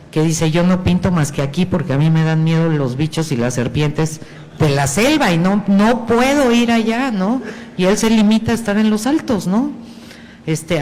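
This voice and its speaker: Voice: mid-range voice, darkish tone, rough recording. Rambling panel moderator. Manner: rambling, with many fillers and restarts. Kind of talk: panel discussion talk. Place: university museum hall.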